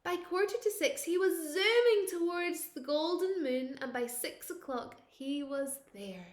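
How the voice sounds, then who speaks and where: High-voiced woman reading to young children. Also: roomy sound. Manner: expressive, dramatic pauses, questions to listeners. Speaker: primary school teacher reading to pupils. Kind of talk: animated picture-book storytelling for young children.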